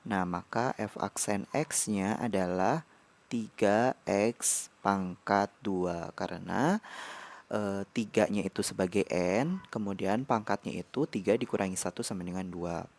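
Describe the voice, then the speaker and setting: Slow, low-voiced male math tutor. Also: darkish tone. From Indonesia. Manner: measured, pauses between short phrases. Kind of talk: slow explanatory lecture.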